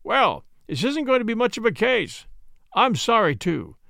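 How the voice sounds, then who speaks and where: Man playing a smug, creaky police inspector. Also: sits high, very animated, normal speed, pushed and bright, dry recording, studio quality, pitched above the performer's own voice, full character voice. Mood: smug, soothing. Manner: satisfied, emphatic, soothing condescension.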